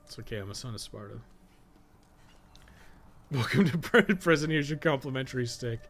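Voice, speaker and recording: A man's voice: mid-range voice, expressive, moderate pace, fairly bright tone. A man giving casual gaming commentary, thinking aloud in a rambling, profane way with joking asides. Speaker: podcast co-host playing a video game.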